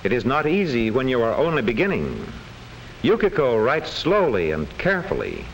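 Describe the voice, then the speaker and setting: A man's voice: medium pitch, huge pitch swings, normal speed, gravelly. A man with an American accent reading scripted 1940s classroom film narration in a formal, precise storytelling manner. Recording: faintly noisy old film soundtrack.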